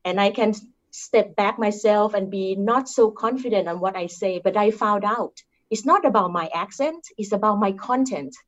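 Giving career advice in an interview, a woman from Thailand speaks earnestly with a Thai accent, reinforcing points through tag questions like "right?". Her mid-range voice moves at a moderate pace with few pauses, and the audio is dull.

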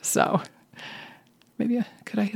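Chatty woman co-hosting a podcast. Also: slow pace. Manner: chatty, playful, dramatic asides. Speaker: podcast co-host. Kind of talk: casual chat. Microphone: webcam setup.

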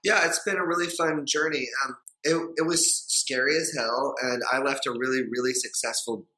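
A man's voice: mid-range voice, fairly even intonation, normal speed, bright, forceful tone, poor audio. A man in his thirties, a podcast guest who works as a hairstylist, talking candidly in casual chat and swearing now and then. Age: 30s.

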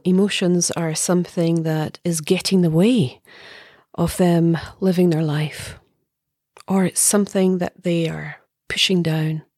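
Slow, breathy woman guiding a meditation. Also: on the low side, no room sound, clean studio sound. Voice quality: soft, breathy, often near whisper. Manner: calm, soothing, unhurried with long pauses. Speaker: meditation teacher. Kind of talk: guided meditation.

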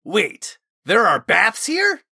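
A man voicing an excitable, easily offended, brash male guardsman in an audiobook, with a dramatic way of talking. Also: sits high, takes it slowly, gravelly, breathy edge, dry recording, studio quality, voice pushed up, heavily acted. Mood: excited. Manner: exclamatory, dramatic. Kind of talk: audiobook character dialogue.

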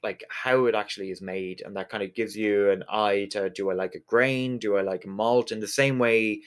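Man, west of Ireland accent, low-pitched voice, conversational interview guest, explanatory. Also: steady tone, normal speed, smooth. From Galway, west of Ireland. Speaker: interview guest, whiskey distillery representative.

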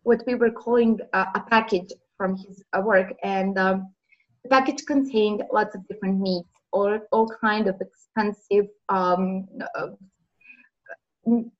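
A woman from Serbia, answering interview questions earnestly with many pauses, heard over a remote call. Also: medium pitch, fairly even intonation, dull audio. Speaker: interview guest.

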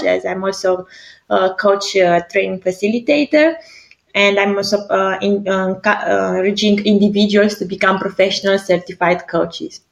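A woman with a Romanian accent, a career coach answering interview questions with many pauses and fillers. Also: medium pitch, vocal fry.

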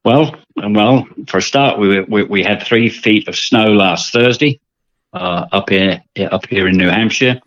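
A man's voice: fairly low pitch, measured pace, a bit bright, dry recording, dull audio. An older man from England with an English accent, talking through his story as a guest with lots of fillers and repeated words. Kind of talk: casual interview.

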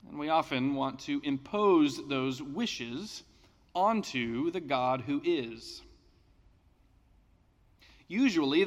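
A male pastor reading scripture and preaching a sermon in a measured, deliberate way, recorded in a church sanctuary. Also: on the high side, a bit bright, in a large hall.

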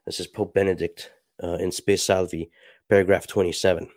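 A man hosting a podcast, a little sick and stuffy, talking reflectively and reading passages aloud in a soft, halting way with many fillers. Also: low voice, flat delivery, no room sound, studio quality. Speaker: podcast host.

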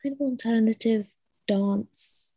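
Woman guest on a podcast, slow and hesitant, lots of ums, mellow voice, dry sound. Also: fairly high pitch, no echo. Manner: unhurried, hesitant, many ums. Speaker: guest artist. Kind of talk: casual interview chat. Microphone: video call.

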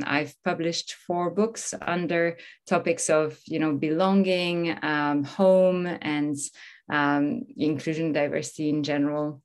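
Low-voiced French woman, chatty guest. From France. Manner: enthusiastic, storytelling, many fillers. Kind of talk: casual interview talk.

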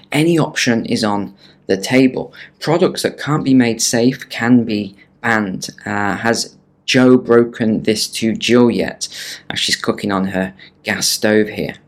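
A man presenting chatty, wry news commentary in a casual conversational way, recorded in a small room. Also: medium pitch. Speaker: online video presenter. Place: small room in a beach bungalow.

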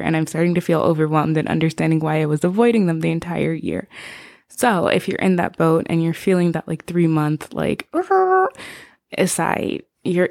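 A woman's voice: on the low side, a little mellow, dry recording, clean studio sound. A woman in her twenties from Zimbabwe, a native Shona speaker with an American accent, chatting casually to her listeners as a bubbly, playful, rambling podcast host. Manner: bubbly, playful, slangy and digressive.

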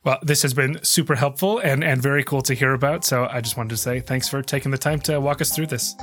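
A young man hosting a podcast, chatty and quick to laugh, his voice stuffed up from a cold. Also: mid-range voice, fairly bright tone, soft background music. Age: young adult. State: congested, stuffed-up voice. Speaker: podcast host. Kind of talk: interview and outro.

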